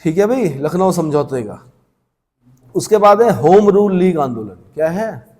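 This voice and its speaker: A man's voice: sits high, lively intonation, a little slow, dark tone, big-room sound. A male coaching teacher giving a classroom lecture, reading points aloud, then asking students questions and explaining plainly. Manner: reads text then explains in plain talk.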